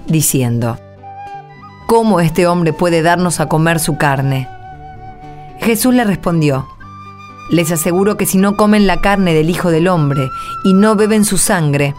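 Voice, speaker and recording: An Argentine woman with a fairly low voice presents a scripted religious radio programme. Her phrasing is measured and clear, and soft music plays beneath her. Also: lively intonation. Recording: music bed behind the voice.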